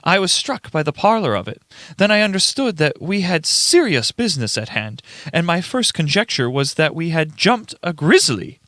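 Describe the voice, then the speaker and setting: Radio play witness: earnest, rattled young man played by a male reader, formal storyteller, very lively intonation, dry sound. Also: fairly high pitch, moderate pace, no room sound. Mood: grave, measured. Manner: formal old-fashioned storytelling, stumbling over words. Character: young man writer testifying, earnest and unnerved. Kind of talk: dramatic radio play reading.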